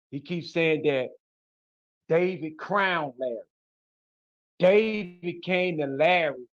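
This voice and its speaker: Man, Chicago accent, blunt, emphatic, street slang, slightly high, dry lo-fi sound. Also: no echo. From Chicago, USA. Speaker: guest. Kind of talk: casual interview talk.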